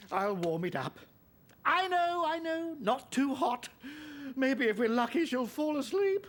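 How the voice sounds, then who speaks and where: A high-pitched, cartoonish character voice moves at a fairly slow pace with long, frequent pauses. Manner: gruff, blustering.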